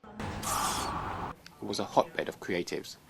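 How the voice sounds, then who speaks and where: A man's voice: fairly low pitch, wildly swooping pitch, very slow, creaky, background noise. A man giving scripted first-person documentary narration. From Britain. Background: music.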